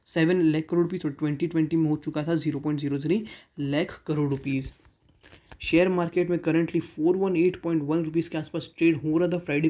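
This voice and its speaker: A man's voice: fairly high pitch, warm tone. A man hosting a stock market channel, giving a voice-over analysis of share figures and mixing English terms into Hindi, at times correcting himself mid-sentence.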